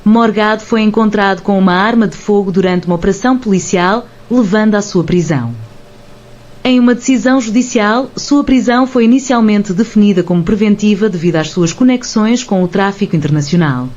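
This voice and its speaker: A narrator reading a news report in an even, scripted way. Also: mid-range voice, brisk, dull audio.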